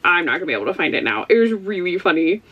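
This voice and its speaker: A very animated, very fast, lowish female voice comes through slightly rough on a muffled recording. The speaker, a young Ohio native with a Midwestern American accent, rambles and giggles to camera in a casual book vlog, using lots of fillers.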